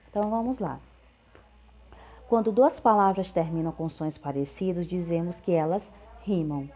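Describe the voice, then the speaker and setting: A woman's voice: on the low side, a little mellow. A woman teacher, going through workbook answers patiently and repeating each one. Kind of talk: correcting workbook exercises.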